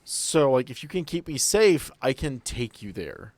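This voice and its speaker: A man's voice: medium pitch, very animated, a little slow, darkish tone, no room sound. Man playing a hesitant, earnest young farm boy. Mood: anxious pleading.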